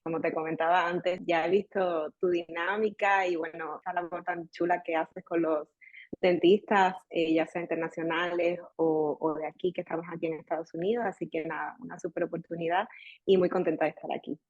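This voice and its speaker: A woman's voice: fairly low pitch, steady tone, fairly quick, dry recording, dull audio. A young Spanish woman from Seville, with an Andalusian accent, chatting as a dentist guest on a podcast and mixing English words into her Spanish. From Spain. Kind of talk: casual podcast interview.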